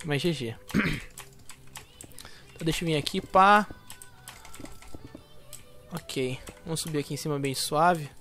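A young Brazilian man giving casual, slangy commentary over his own gameplay, excitable at first and quieter once he is playing. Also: on the high side, a little slow, long pauses, soft background music. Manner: slangy, excitable intro then quieter focused play talk. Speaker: gaming YouTuber.

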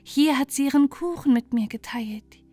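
A woman voicing a small, brisk, caring male bird friend in a storybook tale. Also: high voice, dark tone, faint music behind, voice pushed up, lightly acted. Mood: kindly. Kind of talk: storybook character voice.

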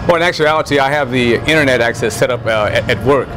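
A man's voice: medium pitch, fast, over music. A middle-aged man chatting casually as a sports fan in an on-camera interview outdoors. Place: outdoors by brick building. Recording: clear outdoor street noise.

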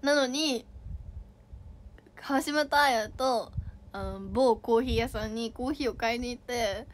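A woman's voice: fairly high pitch, measured pace. A young woman chatting casually on a livestream, playfully reading out viewer comments and reacting with giggles. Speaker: idol livestreamer.

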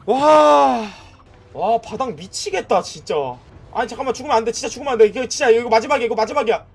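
Male game streamer, thirties, high husky voice, excitable trash-talking play-by-play. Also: fast talker. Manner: excitable, shouting at enemies and cheering; trash-talking with frequent "nice" and "that's it". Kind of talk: live gameplay commentary.

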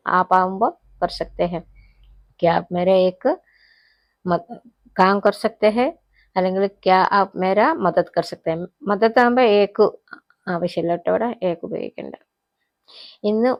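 A woman teaching a spoken Hindi lesson, repeating each phrase slowly and then explaining it. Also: mid-range voice, no echo, muffled recording.

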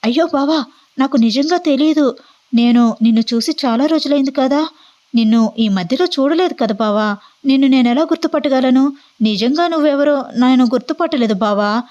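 A young college girl snaps back indignantly, her voice pitched high, as a woman storyteller puts her on. The recording is dull and lo-fi. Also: moderate pace, a little mellow, close to an everyday voice. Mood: pleading. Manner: indignant, talking back sharply. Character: young woman student, flustered but fiery.

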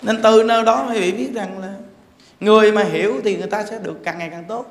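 A male monk giving a dharma talk in a lively, joking way, acting out quarrels with bursts of laughter. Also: high voice, quick pace. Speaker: monk teacher. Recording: echoey hall with faint background noise.

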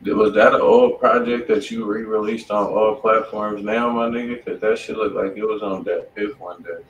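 Brief: lowish male stream co-host, blunt slangy reviewer, sounds distant in an echoey room, faint hum behind. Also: fairly even intonation, moderate pace, muffled recording. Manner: blunt, slangy critique with loose asides. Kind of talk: casual live stream chat. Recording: roomy sound, mic at a distance.

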